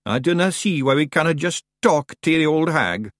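A man voicing a tiny, rowdy blue Scottish warrior with broad excitable dialect, in an audiobook story. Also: fairly high pitch, moderate pace, dry recording, clean studio sound, voice pushed up. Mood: bickering.

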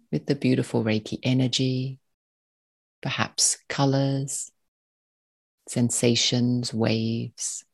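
Calm and slow, a meditation guide with a gravelly, medium-pitched voice offers soothing directions in brief phrases separated by pauses.

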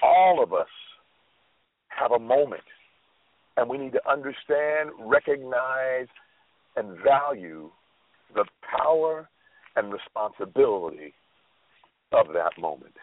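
A man's voice: medium pitch, expressive, slow pace, long pauses, dry recording. A man co-hosting a radio talk show, telling a story and reflecting on it earnestly, with frequent restarts. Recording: tinny phone line.

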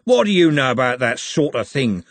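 A man's voice: medium pitch, very animated, measured pace, husky, dry recording, pitched above the performer's own voice. A man voicing an aggressive young male brawler who talks in a coarse, snarling way.

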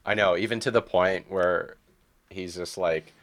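Very low-voiced man, casual movie chat. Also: fairly even intonation, a little slow. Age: early 30s. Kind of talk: casual conversation about movies.

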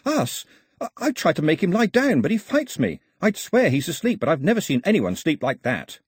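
A man voicing an excitable, nervous young boy who tells a tale in a high, dramatic voice. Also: fairly quick, breathy edge, no echo, clean studio sound, heavily acted. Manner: breathless, dramatic, high-pitched.

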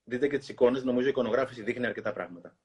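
A man hosting a talk, reading a children's book aloud in an expressive storytelling way and pausing to comment. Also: medium pitch, slightly rough. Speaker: host.

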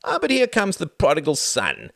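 A man voicing a breezy, overbearing older brother in an audiobook, hearty, smug and excitable. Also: medium pitch, moderate pace, no room sound, studio quality, voice pushed up.

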